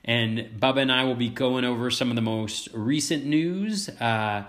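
A man's voice: mid-range voice, a little slow, fairly bright tone. A man hosting a podcast while sick with a cold, his voice cracky, sniffling and coughing as he chats with enthusiasm and plenty of fillers. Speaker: podcast host. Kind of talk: casual podcast chat.

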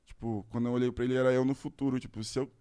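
A man's voice: medium pitch, flat delivery, very fast, warm tone, clean tone. A man with a Brazilian accent telling a long personal story in casual podcast chat, rambling and full of slangy filler words. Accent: Brazilian Portuguese.

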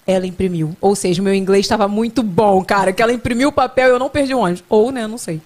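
A woman's voice: medium pitch, very fast. A young woman hosting a podcast, telling stories with a joking, teasing manner. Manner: joking, teasing, animated storytelling. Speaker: podcast host. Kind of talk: casual chat.

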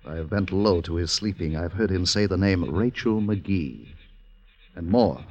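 An actor playing a solemn, conspiratorial gypsy man in an old-time radio drama, grave, deliberate and portentous. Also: sits low, darkish tone, muffled recording. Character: solemn, conspiratorial gypsy avenger guarding tribal vows.

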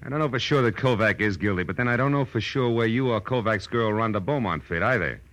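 Low-voiced, hard-boiled American gumshoe played by a male actor, sardonic and wisecracking, 1940s radio style. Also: fast talker, a bit bright, close to an everyday voice. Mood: sardonic, defiant. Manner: wisecracking, clipped tough-guy delivery. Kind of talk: 1940s radio detective acting and first-person narration.

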